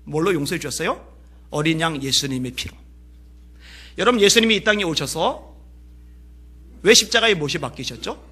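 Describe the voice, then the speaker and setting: Male pastor, sermon delivery, bright and husky, acts out the story's lines. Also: fairly high pitch, normal speed, pauses often. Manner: lively storytelling, acting out characters' lines.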